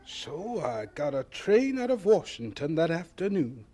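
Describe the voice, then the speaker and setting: An actor playing a humble, devout elderly Black scientist in a radio drama. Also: male voice, on the high side, big pitch swings, unhurried, mellow, soft background music. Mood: earnest.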